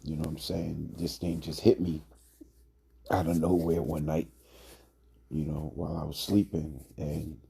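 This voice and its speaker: A man giving an informal religious lesson, hoarse from a cold, talking in a drawl with many fillers. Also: rumbling low, little pitch movement, a little slow, long pauses, mellow. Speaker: religious teacher.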